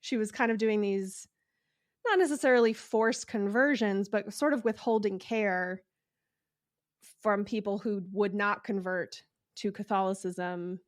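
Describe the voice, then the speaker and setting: A woman's voice: medium pitch, unhurried, dry recording, studio quality. A woman hosting a podcast, chatting casually and hesitantly with lots of likes and ums. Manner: hesitant, filler-heavy, with many likes and ums. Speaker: podcast host and attorney.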